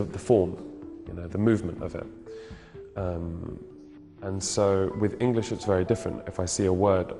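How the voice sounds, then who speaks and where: A man in his thirties, a painter, talking thoughtfully about his work and often searching for words. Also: low-pitched. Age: 30s. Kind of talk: reflective interview monologue. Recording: reverberant room with music underneath.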